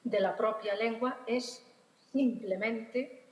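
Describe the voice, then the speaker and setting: Woman poet, panelist; earnest, quick bursts; echoey hall. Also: on the high side, darkish tone. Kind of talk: panel discussion. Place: large hall with long reverb.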